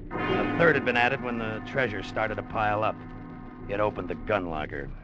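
Brief: a man playing a low-voiced scheming sailor, tough narration, muffled old radio broadcast with music. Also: moderate pace, close to an everyday voice. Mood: brooding. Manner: tough first-person narration. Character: scheming male sailor-diver plotting to take the treasure. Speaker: narrator and lead character. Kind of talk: 1940s radio acting.

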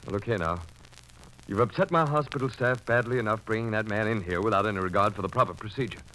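A man's voice: lowish voice, a bit bright, slight background noise, lightly acted, poor audio. A man playing a stern, rational but troubled doctor, with formal 1940s radio diction on a vintage recording. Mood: stern, dismissive. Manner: formal, grave, measured diction. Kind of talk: 1940s radio drama acting and narration.

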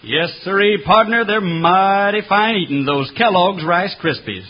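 A radio announcer putting on a folksy cowboy camp cook for a vintage ad, hollering in cowboy slang. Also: male voice, high-pitched, measured pace, dull audio, a crowd in the background. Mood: hearty. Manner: hollering cowboy slang, singsong jingle delivery. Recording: old radio recording over music.

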